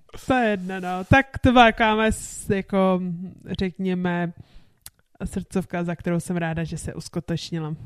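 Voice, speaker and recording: A woman's medium-pitched voice at a fairly slow pace, with ordinary pitch variation and a dry, close sound with no echo. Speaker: podcast co-host. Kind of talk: casual chat. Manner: speeds up when stressed.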